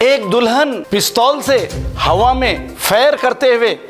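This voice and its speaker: A man's voice: very high voice, unhurried. A male news presenter reads the bulletin. He slips in his own remarks, and music plays underneath. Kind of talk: news bulletin reading with personal asides.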